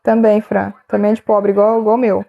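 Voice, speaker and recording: A woman's voice: medium pitch, flat delivery, brisk, vocal fry, lo-fi sound. A woman chatting casually on a live stream, laughing often and reading viewers' names from the chat.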